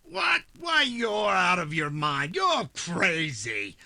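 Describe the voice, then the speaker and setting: An actor playing a cowardly hired killer in 1940s radio drama style, stammering, whining and melodramatic. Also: male voice, sits high, wildly swooping pitch, takes it slowly, creaky, pushed and bright, heavily acted. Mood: panicked denial. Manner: stammering, breathlessly pleading, melodramatic.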